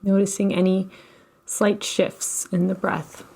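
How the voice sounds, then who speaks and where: A woman with a mid-pitched voice guides a relaxation practice. She gives soft, patient instructions in short phrases, leaving generous pauses between them. Her delivery is soothing and never hurried. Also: little pitch movement, breathy edge. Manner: gentle, unhurried, soothing with long pauses. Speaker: guided relaxation and meditation teacher. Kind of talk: guided meditation, slow instruction.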